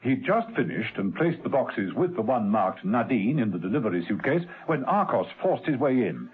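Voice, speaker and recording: A man's voice: mid-range voice, very animated, moderate pace, lightly acted. A man giving scripted dramatic narration for a radio serial. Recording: muffled old radio recording, faint music.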